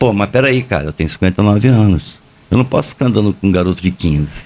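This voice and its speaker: With a dark, mellow tone and fairly low pitch, a man talks at a fairly quick pace, his pitch swinging very widely. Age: 50s. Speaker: senior pastor and writer. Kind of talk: podcast interview, casual preaching talk. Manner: animated.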